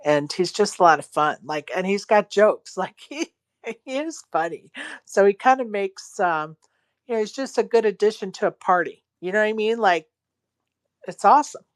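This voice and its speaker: A woman's voice: medium pitch, animated, moderate pace, dry recording, clean studio sound. A woman chatting casually and loosely, with conversational filler phrases. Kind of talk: casual chat in a live online audio room.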